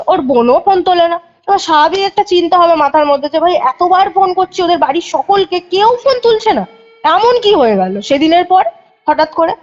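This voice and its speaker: High-voiced young woman on a muffled call. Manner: rambling, self-correcting, vivid retelling. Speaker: caller telling a ghost story. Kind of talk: casual storytelling on a call. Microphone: phone.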